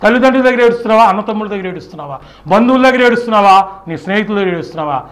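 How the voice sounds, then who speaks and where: Male preacher, high-pitched voice; fervent, emphatic exhortation in a church sermon style. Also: expressive, very fast, fairly bright tone. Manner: exhortatory, emphatic, repetitive rhetorical questions.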